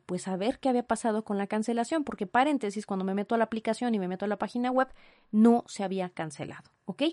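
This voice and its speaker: A young Mexican woman with a Mexican accent telling an indignant, animated story with asides in a storytime vlog. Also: on the high side, no room sound, studio quality. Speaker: vlogger.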